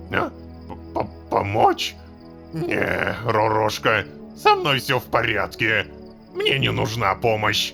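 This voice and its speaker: A man at a medium pitch performs a put-on character voice at a fairly slow pace while clear music plays in the background. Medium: machinima.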